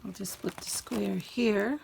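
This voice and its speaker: A woman in her fifties with a naturally husky, allergy-hoarse voice, chatting through a craft tutorial step by step. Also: medium pitch, steady tone, slow pace, darkish tone, a little hiss or hum. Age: 50s. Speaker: craft channel host. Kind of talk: casual DIY tutorial. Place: craft room in a home loft.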